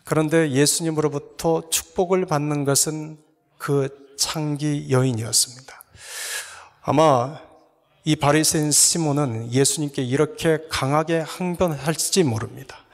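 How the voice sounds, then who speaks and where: A male pastor preaching a sermon, earnestly putting rhetorical questions to his congregation and sometimes dropping to a soft whisper. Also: a little high, fairly even intonation, unhurried. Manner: earnest, addresses listeners with repeated rhetorical questions. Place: church sanctuary. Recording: long reverb of a church hall.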